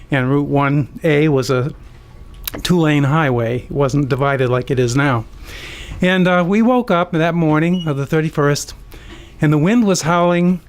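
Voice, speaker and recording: An American man in his sixties telling an unscripted personal story on the radio in a conversational, amused way. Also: fairly high pitch. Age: 60s. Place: community radio studio.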